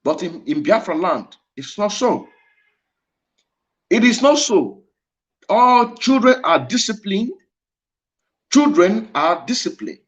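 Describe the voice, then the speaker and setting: A man with a Nigerian Igbo accent giving an impassioned lecture, repeating his phrases for emphasis. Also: sits high. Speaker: speaker at a livestreamed address. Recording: dull lo-fi stream audio.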